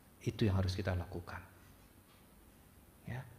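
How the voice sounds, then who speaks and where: A man's very deep, low voice, somewhat breathy, with fairly even intonation. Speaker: pastor. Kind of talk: sermon. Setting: church. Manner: conversational, engages congregation.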